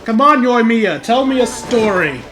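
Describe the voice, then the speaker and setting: A man's voice: extremely high pitch, expressive, measured pace, over music. A man giving casual, joking live-stream commentary on a game, chatting to his viewers.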